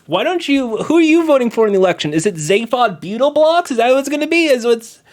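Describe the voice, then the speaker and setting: A man with a nasal, whiny voice co-hosting a stream, joking and teasing in playful banter. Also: quick pace. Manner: animated, jokey, swings his pitch for bits. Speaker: streamer and co-host.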